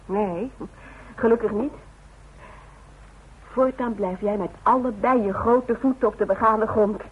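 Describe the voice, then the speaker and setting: A woman's voice: a little high, measured pace, slightly rough, phone-quality sound. An actress playing a devoted, worried woman who is firm and direct, in a naturalistic radio play on an old recording. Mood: firm, tender. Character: devoted, plain-spoken, worried woman coaxing her stubborn father.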